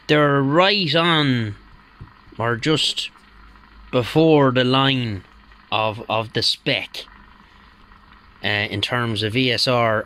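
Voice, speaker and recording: A man's voice: mid-range voice, pushed and bright, smooth. A man talking casually through a radio repair demonstration at his workbench, rambling with lots of fillers. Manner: rambling and conversational, with many fillers.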